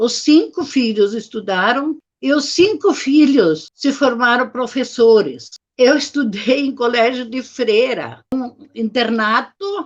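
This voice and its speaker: This woman speaks at a very slow pace in a high pitch. Her intonation is lively. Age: 70s. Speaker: retired teacher and catechist. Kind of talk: testimony. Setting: live stream interview.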